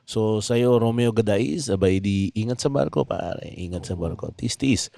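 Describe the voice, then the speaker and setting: A man's voice: lowish voice, unhurried, creaky, dark tone, no room sound. A man from the Philippines hosting a comedy podcast, casually reading listener greetings aloud and joking. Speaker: podcast host.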